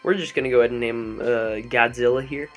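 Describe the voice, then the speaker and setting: A young man talks over his gameplay into a desk mic, rambling and joking with plenty of ums along the way. His voice sits at an ordinary middle pitch. Soft background music plays quietly underneath. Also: fairly even intonation, quick pace. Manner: chatty and jokey, lots of ums. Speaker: let's play host. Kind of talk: gameplay commentary. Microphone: desk microphone. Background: faint background music.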